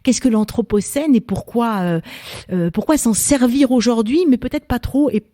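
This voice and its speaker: A woman's voice: a little high, moderate pace, dark tone. A woman moderating a public science debate, presenting her guests and topic with frequent fillers. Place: French national library event.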